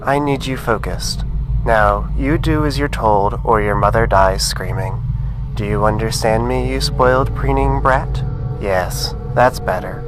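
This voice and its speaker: A man playing a controlled, sinister, condescending kidnapper in an audio drama, speaking deliberately, coaxing and threatening. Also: fairly low pitch, music in the background, lightly acted. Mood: cold threatening.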